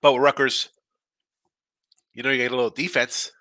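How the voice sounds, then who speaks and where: A man with a stuffy, congested nose hosts a live sports betting stream, chatting loosely through viewer comments and picks. His voice is very bright and edgy, and the recording is dry and close with no room sound. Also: medium pitch, level tone, moderate pace, no echo. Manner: chatty and loose, with frequent restarts and asides. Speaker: sports betting show host.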